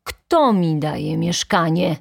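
Woman doing a shrill, furious young student. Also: animated, measured pace. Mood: indignant. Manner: shrill outraged shouting. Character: hot-tempered poor young male student, indignant.

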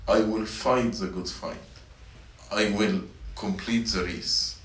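Slow deep-voiced man preaching in echoey room. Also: fairly even intonation. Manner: slow, repeats points, asks the students questions. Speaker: church youth teacher. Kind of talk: sermon to middle schoolers. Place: church meeting room. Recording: echoey room, mic at a distance, faint noise.

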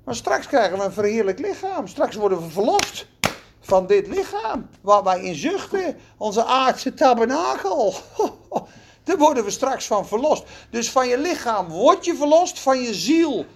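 A preacher delivering a sermon in an animated, emphatic way, with folksy turns of phrase. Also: medium pitch, a little slow, a little hiss or hum.

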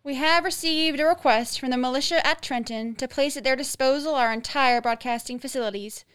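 Actress as high-voiced, solemn female executive. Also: brisk, a bit bright, clean tone. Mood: solemn, official. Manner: solemn, formal. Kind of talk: formal official statement in radio drama.

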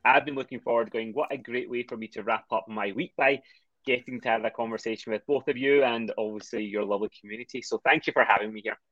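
A middle-aged man with a Scottish accent, a mindset coach speaking as a guest on a podcast, talking quickly and energetically as he explains. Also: mid-range voice, steady tone, a bit bright, no room sound, lo-fi sound. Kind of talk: podcast interview.

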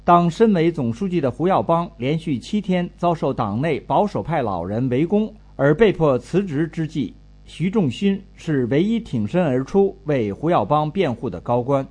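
A man's voice: fairly high pitch, sing-song, normal speed, a little mellow, breathy edge, soft background music. A man narrating a scripted radio news report as a correspondent.

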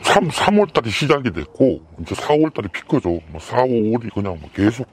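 Anonymous male informant, deep modulated disguise voice, husky, lively in pitch, hesitant testimony. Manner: halting, repeats words, speaks with force. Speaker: anonymous informant, former employee. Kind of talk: recorded interview testimony.

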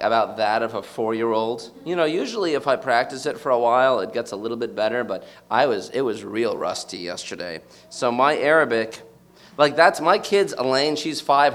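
A man in his thirties from the United States stands before a live audience and gives a personal talk. His voice sits at a middle pitch. He speaks reflectively and often stops to search for the right words. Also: animated, moderate pace, a bit bright.

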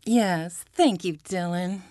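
An actress playing a concerned middle-aged mother who gently nags in an audio drama. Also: lowish voice, slow, dry recording, clean studio sound. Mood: brisk, motherly.

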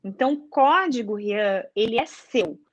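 A woman's voice: fairly high pitch, animated, a little slow, no room sound, muffled recording. A woman explaining a process step by step in casual chat, often checking in with "tá?" and posing questions to herself. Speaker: guest explaining investment advisor certification.

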